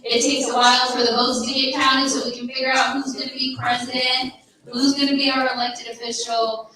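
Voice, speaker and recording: A woman's voice: high-pitched, flat delivery, brisk, pushed and bright. A woman facilitating a live workshop, upbeat and encouraging, repeating instructions to the crowd. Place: large conference room. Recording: echoey room, voice from far off.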